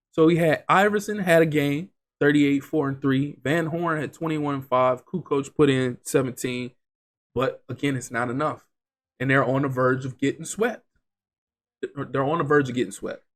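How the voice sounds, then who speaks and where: Congested man calling game stats. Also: a little high. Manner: reels off stats, chatty and excitable. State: congested, getting over an illness. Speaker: gaming channel host. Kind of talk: casual commentary over a basketball video game simulation.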